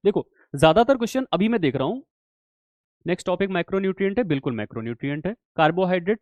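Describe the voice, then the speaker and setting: A man's voice: high voice, no echo. A young man teaching a live online exam-prep class in a casual manner, often checking in with his students. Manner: casual, repeats "theek hai" and "clear", addresses students as bhai. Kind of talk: live online class, solving quiz questions.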